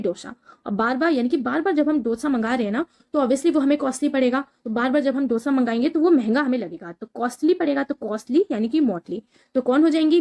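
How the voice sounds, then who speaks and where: High-voiced woman tutor explaining exam tricks. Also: darkish tone. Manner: patient, repetitive, asks and answers her own questions.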